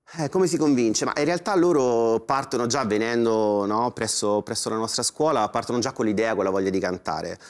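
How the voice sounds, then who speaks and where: An ordinary speaking voice from a man at medium pitch, a fairly quick pace with hardly any pauses, over a quiet background. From Frascati, Lazio. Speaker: choir director. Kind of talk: TV interview. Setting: TV studio. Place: studio. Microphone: lapel.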